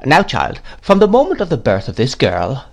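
A man's voice: medium pitch, wildly swooping pitch, moderate pace, vocal fry, voice pushed up, full character voice. A man voicing a stern, brusque older woman who gives orders in a clipped, scolding way. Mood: commanding.

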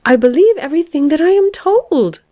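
A woman acts out a timid little old-lady caterpillar from a storybook. The voice sits high and rises and falls freely, plaintive and prim, earnest and quick to take offence. The sound is close and dry. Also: sing-song, warm tone, dry recording. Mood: hesitant, insistent.

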